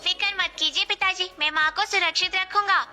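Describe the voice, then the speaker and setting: A woman's voice: very high-pitched, steady tone, brisk, pushed and bright, faint music behind, exaggerated voice. A woman voicing a four-year-old boy who talks in a childlike way, pleading and then defiant. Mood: reassuring. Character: brave little boy, four years old.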